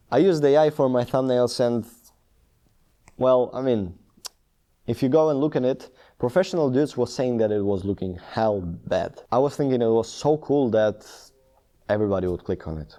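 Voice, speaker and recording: A man with a non-native accent, medium pitch and a dark, mellow tone, lively intonation at a moderate pace, long, frequent pauses, and a quiet background. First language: not English. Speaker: YouTuber. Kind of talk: personal storytelling vlog.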